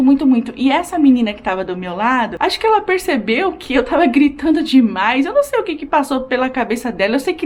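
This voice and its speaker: Chatty woman vlogger telling a story. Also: high-pitched. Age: adult. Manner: animated, frequent fillers, acts out shouting. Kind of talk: casual storytelling to camera.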